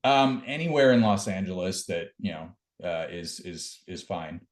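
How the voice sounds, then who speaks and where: A man's voice: deep voice, expressive, moderate pace. A man giving a casual product demo, hesitant and full of fillers. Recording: echoey room.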